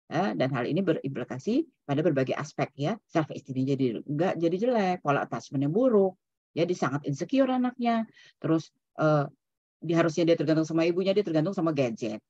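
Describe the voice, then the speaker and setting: Speaking over a video call, a female psychologist lectures an online seminar in a relaxed, chatty style, sprinkling in English terms and tagging lines with "gitu ya." Her deep voice is expressive, warm and a little fast, and the audio sounds dry and lo-fi.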